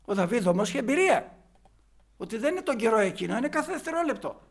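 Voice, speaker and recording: A man's voice: very high-pitched, very animated, creaky. A male preacher giving a fervent sermon, telling a story and driving home its point.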